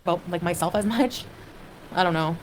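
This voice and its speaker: A woman's voice: lowish voice, fairly quick, a little hiss or hum, rough recording. Rambling woman chatting on a livestream. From Canada. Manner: rambling, hesitant, many fillers. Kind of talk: casual livestream chat.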